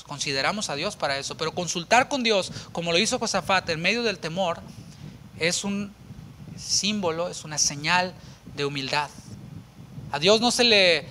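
A man, a pastor preaching a sermon to an empty church with animated rhetorical questions. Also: high-pitched. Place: church without a congregation.

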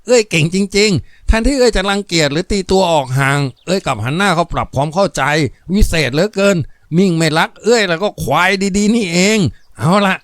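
A man voicing a frank, warm-hearted young man in an audiobook novel, speaking raised and emphatic. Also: high-pitched, lively intonation, a little fast, few pauses, dry recording, clean studio sound, pitched above the performer's own voice. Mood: admiring.

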